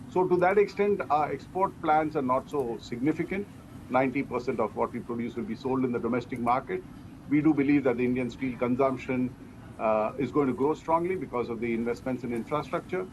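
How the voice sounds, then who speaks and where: Speaking at a medium pitch, a male executive gives careful, explanatory answers during an interview. There's noticeable noise behind him throughout.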